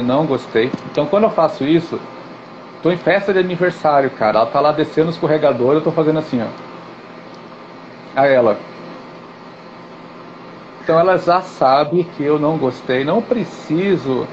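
Man, guest teacher, casual storytelling, slightly high voice, dull muffled audio, faint noise. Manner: animated storytelling with gestures and acted quotes. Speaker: guest, swimming and physical education teacher. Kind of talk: casual live interview talk.

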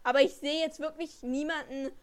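A teenage girl with a fairly high voice, talking casually on a podcast. She chats in a relaxed way, hesitates now and then, and rephrases herself as she goes. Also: fairly quick. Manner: chatty, hesitant, self-correcting. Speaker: podcast co-host. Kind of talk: casual chat.

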